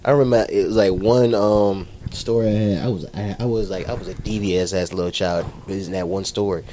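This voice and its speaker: A man's voice: deep voice, steady tone, a little fast, dark tone, a little hiss or hum. Rambling, profane young male podcaster. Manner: rambling, profane storytelling with laughs. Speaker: podcast co-host. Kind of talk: casual chat.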